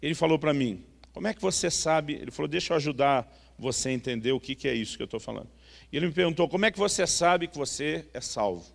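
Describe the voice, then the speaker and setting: A man's voice: on the high side, expressive, fast talker, gravelly, big-room sound. A man with a Brazilian Portuguese accent preaching a sermon, telling a story and acting out the dialogue, with frequent tag questions. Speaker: pastor.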